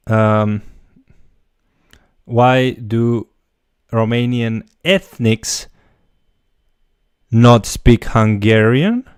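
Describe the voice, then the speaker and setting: Low, smooth-voiced man answering questions. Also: darkish tone, no room sound, clean studio sound. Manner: loose, talks while thinking aloud. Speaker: language teacher. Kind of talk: casual livestream Q&A.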